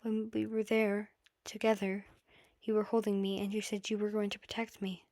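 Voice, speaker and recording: A woman voicing a shaken, devoted teenage boy student in a fan story, halting and imploring. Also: mid-range voice, little pitch movement, warm tone, dry recording, clean studio sound, lightly acted. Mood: shaken, earnest.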